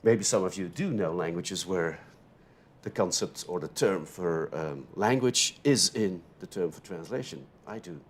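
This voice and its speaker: A man whose first language is Dutch, speaking English with a Dutch accent while giving an opening lecture to graduate students. He thinks aloud as he goes, keeps checking in with a quick "no?", and swings between louder and softer phrases. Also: low-pitched, expressive, breathy edge. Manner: rises and drops sharply in loudness between phrases. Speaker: university lecturer.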